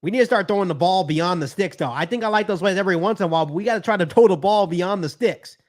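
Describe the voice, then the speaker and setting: A high-pitched male voice with an American accent does live football play-by-play for a fan stream. He talks conversationally, repeats phrases as he works through a point, and answers viewers along the way. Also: fast. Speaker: sports podcast host doing live play-by-play.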